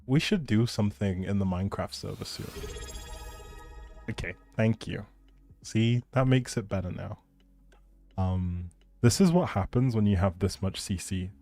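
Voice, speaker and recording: A man's voice: fairly low pitch, unhurried, long pauses, mellow, soft background music. A man chatting casually with viewers as a live game streamer, in a laid-back, informal and reassuring way. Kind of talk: casual livestream chat with viewers.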